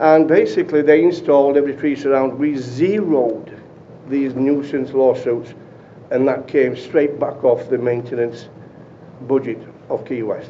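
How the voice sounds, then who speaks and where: A man with an English accent talks at a moderate pace in a fairly high voice, his intonation fairly even, with audible room echo and noticeable background noise. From northern England. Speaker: company representative. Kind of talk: sales pitch. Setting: city council meeting.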